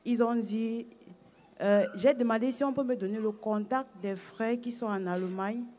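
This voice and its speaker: A woman's voice: a little high, normal speed, darkish tone. Woman giving a church testimony. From Cameroon. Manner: long unbroken telling with hesitations. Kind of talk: personal testimony at the front of the church.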